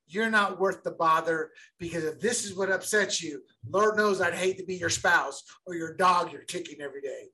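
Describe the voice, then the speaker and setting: High, bright-voiced animated man. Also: poor audio. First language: bilingual since childhood. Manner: animated, rambling, repeats words when excited. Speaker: podcast co-host. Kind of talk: casual sports chat.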